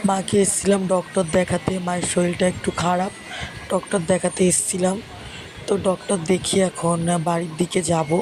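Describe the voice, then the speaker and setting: A woman vlogger with a hoarse voice from a cold, chatting casually to her viewers and repeating herself. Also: fairly low pitch, noisy background. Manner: chatty, repetitive, addresses viewers directly. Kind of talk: casual vlog narration to viewers.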